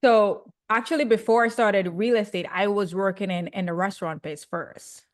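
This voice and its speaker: A woman's voice: medium pitch, normal speed. A young woman from Jamaica with a Jamaican accent, a chatty podcast guest who laughs easily. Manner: chatty, laughs often, excitable. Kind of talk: casual interview.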